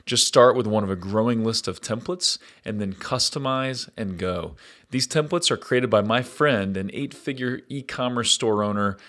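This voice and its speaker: A man hosting a podcast in a casual, upbeat way, his voice a bit raspy from days of talking at a conference. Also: on the low side, normal speed, fairly bright tone. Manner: upbeat, conversational, with frequent fillers. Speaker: podcast host. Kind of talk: casual podcast chat with read ad. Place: on location at a conference.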